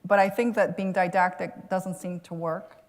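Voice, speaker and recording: A woman's voice: on the low side, fairly even intonation, moderate pace. A woman author answering an audience question at a lecture, earnest and reflective, laughing now and then. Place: lecture hall.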